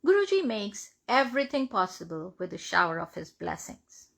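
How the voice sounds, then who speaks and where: A woman reading a written first-person testimony aloud in measured phrases. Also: mid-range voice, sing-song, vocal fry. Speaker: reader of devotional testimonies.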